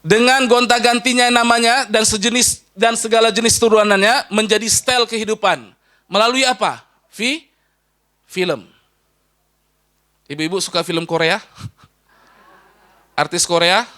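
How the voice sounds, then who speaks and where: High bright-voiced male preacher, animated. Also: measured pace, pauses often. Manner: animated, joking with the audience, rising and dropping sharply. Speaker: Islamic preacher. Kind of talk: lecture sermon to an audience.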